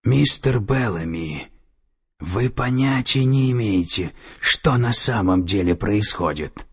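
A man's voice: lowish voice, expressive, slow pace, husky, voice pushed up, full character voice. A man voicing a cold, domineering female security director, with an icy, commanding and menacing manner. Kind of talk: audiobook character voice.

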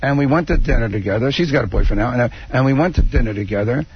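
A man's voice: mid-range voice, lively intonation, very fast, husky. A middle-aged man, a guest comedian, chatting on a radio show in a rambling, stammering way, often repeating himself. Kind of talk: casual radio chat. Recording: dull lo-fi radio audio.

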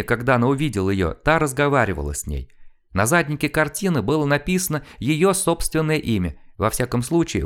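A man reading a novel aloud as an audiobook narrator, in a measured, expressive storytelling manner. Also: medium pitch. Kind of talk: scripted literary narration.

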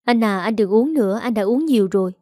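A gentle, wronged wife pleads with her husband in a spoken story, read by a woman. Her voice is warm and mellow, hurt but soft. The recording is dry and close. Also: a little high, quick pace, dry recording, lightly acted. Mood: pleading.

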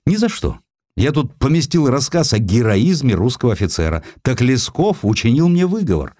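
A grumpy old general turned editor, acted out by a male narrator, speaks in a querulous, old-fashioned way. His pitch swings widely as he grumbles, and the sound is dry and close. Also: sing-song, moderate pace, mellow, no echo. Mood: plaintive, aggrieved. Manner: querulous, plaintive, old-fashioned colloquial speech. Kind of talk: audiobook character acting.

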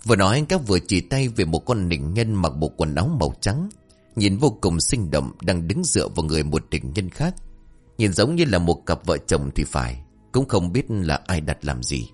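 A man narrating a horror story in a dramatic, expressive storytelling manner. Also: deep voice, normal speed, soft background music.

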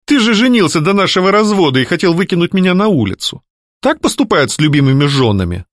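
A man voicing a sharp-tongued young woman who mocks and scolds her ghost ex-husband. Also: high voice, very animated, quick pace, no room sound, clean studio sound, voice pushed up. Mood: mocking. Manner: mocking, scolding, ironic. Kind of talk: audiobook character voicing.

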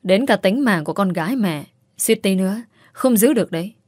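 A woman's voice: medium pitch, animated, fairly quick, darkish tone, breathy edge, no echo, clean studio sound. A woman voicing a scheming young wife who fakes madness, speaking coldly and calculatingly. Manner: cold, calculating.

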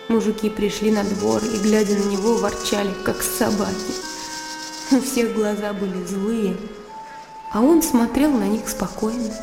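A woman's voice: mid-range voice, lightly acted. A woman in her early twenties, an actress playing a willful, blunt young lady in a radio play. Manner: blunt, impulsive, scornful. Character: spirited, willful young lady, proud and scornful. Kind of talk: radio drama acting. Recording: roomy reverb with music underneath.

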